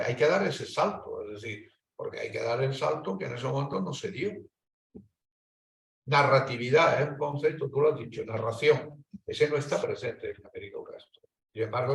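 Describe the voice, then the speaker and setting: A man with a Spanish accent speaking on an academic panel, talking in long winding stretches with restarts and lively rises in pitch. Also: vocal fry. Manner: discursive, hesitant restarts, animated rises. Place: lecture hall. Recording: echoey hall, distant mic.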